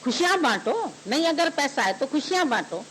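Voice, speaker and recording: A man with a high voice delivers a devotional sermon in a homely, chiding way and keeps firing rhetorical questions. A faint hiss sits under the recording. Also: big pitch swings, moderate pace, a bit bright, low-quality recording. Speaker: spiritual teacher.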